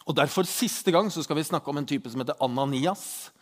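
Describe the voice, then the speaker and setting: A man giving a Bible lesson who reads scripture aloud and explains it in a chatty way, asking the listener questions. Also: on the high side. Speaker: Bible teacher.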